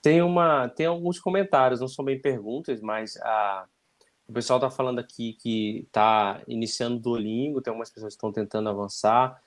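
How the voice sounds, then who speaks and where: Brief male host, mid pitch, easygoing, reads comments aloud. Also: normal speed. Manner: relaxed, asks follow-up questions, laughs. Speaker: live-stream host. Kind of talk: casual interview, reading viewer comments.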